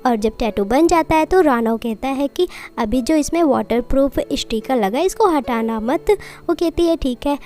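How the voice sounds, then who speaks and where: Woman narrator, high pitch, casual film-recap storytelling, reported dialogue. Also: animated, normal speed, hardly any pauses, darkish tone. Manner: retells dialogue in reported speech.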